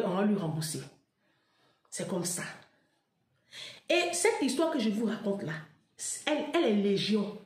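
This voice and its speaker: A woman with an Ivorian French accent telling a story in an animated monologue, emphatic and chatty, laughing often and peppering her talk with "là" and "hein". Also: medium pitch, reverberant. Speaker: online commentator.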